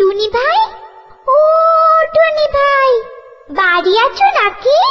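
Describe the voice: In a squeaky, cartoonish character voice, a woman speaks at an extremely high pitch with lively intonation and a very slow pace.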